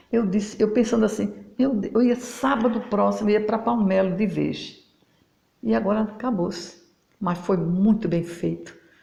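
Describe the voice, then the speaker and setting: Somewhat breathy and dark, mellow in tone, a woman's medium-pitched voice moves at a fairly slow pace. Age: 80s+. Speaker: spiritist religious teacher. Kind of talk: spoken religious talk to an audience. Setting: online video transmission from home. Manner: halting, with repetitions.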